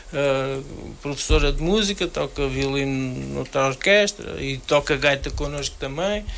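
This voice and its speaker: Fairly high male voice at a fairly slow pace, with ordinary pitch variation and noticeable background noise. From Portugal, Pinhal Novo (Setúbal district). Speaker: actor and musician. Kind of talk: radio interview. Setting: radio studio.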